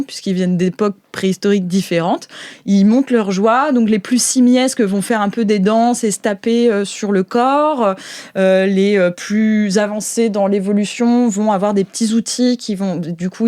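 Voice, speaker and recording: A woman's voice: medium pitch, darkish tone. A woman narrating an improvised tabletop game informally as game master.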